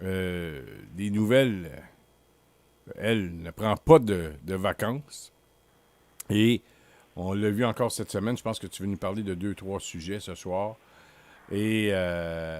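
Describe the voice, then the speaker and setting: Fairly low male voice at a fairly slow pace, broken by long, frequent pauses. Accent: Quebec. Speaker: radio host. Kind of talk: radio talk show. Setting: studio. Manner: halting.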